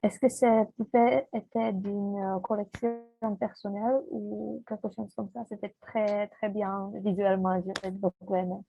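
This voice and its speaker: A woman with a foreign accent in French feels her way through questions as a non-native speaker. Her delivery is slow and halting, with some creak. The sound is thin and phone-like. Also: medium pitch, fairly even intonation. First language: not French. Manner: hesitant, searching for words in French. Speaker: festival participant asking questions. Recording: muffled phone-like online call audio.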